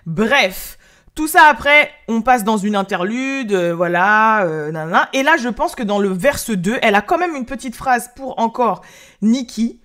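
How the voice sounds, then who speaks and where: A woman hosting a hip hop news show, giving casual, animated and slangy commentary into her phone. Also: fairly high pitch, unhurried. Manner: animated and excitable, slangy, with frequent restarts.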